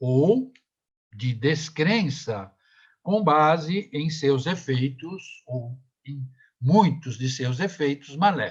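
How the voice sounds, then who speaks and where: A man speaks at a very slow pace in a somewhat breathy voice, with lively intonation and long, frequent pauses. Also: fairly high pitch for a man. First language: Spanish (speaking Portuguese). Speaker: philosophy professor. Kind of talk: lecture.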